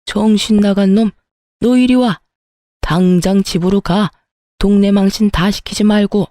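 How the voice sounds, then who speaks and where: A woman's voice: mid-range voice, steady tone, a little slow, warm tone, dry recording, clean studio sound, close to an everyday voice. A woman voicing an angry older father-in-law who scolds his son bluntly, in a dramatized story. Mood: furious.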